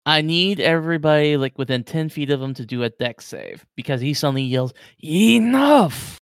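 A man running a tabletop game as game master, describing monsters in a relaxed way with filler words. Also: medium pitch, a little fast, smooth, no echo, clean studio sound.

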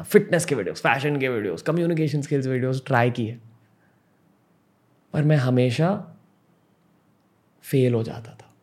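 This young man from Mumbai, India, hosts a podcast and tells a personal story in an earnest, reflective manner, sprinkling in English words. His voice sits at a medium pitch with a slightly mellow quality.

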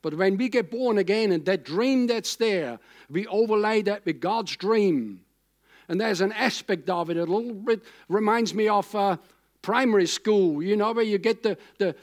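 Male pastor, 60s, fairly high voice; conversational sermon delivery that rambles and repeats for emphasis. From Austria. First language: German.

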